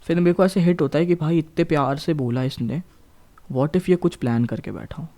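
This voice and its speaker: A man's voice: a little high, brisk. A young man in his late teens from Bhopal, India, telling a school story in casual podcast chat, cursing a lot and slipping English phrases into his talk. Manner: profane, animated, mixes English phrases into Hindi. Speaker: podcast co-host.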